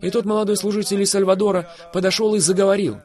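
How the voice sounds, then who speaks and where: A man's voice: high voice, flat delivery. A man co-hosting a Christian TV talk show, preaching fervently in an emphatic conversational way. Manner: fervent, emphatic, swings between loud bursts and soft drawn-out phrases. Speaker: Christian TV minister, co-host.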